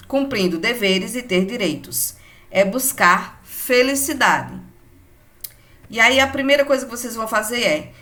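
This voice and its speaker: A woman teacher with a Brazilian Portuguese accent gives a remote lesson to children, patiently and affectionately explaining each step. Her voice is medium in pitch with a fairly bright tone.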